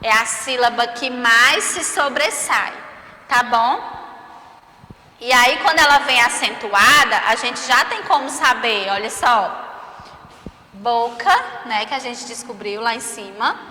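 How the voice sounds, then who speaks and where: Her voice a little high and sharp, a Brazilian woman teaches small children in an online lesson at a slow pace. She elongates syllables and keeps checking in with tag questions, her accent Brazilian Portuguese. The audio echoes, with long reverb.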